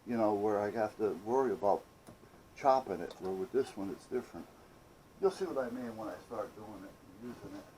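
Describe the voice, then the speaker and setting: A man's voice: on the low side, fairly quick, dark tone, a little hiss or hum, low-quality recording. A man chatting casually through a hands-on workshop project, rambling and muttering to himself with playful asides. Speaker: hobbyist maker hosting own workshop videos.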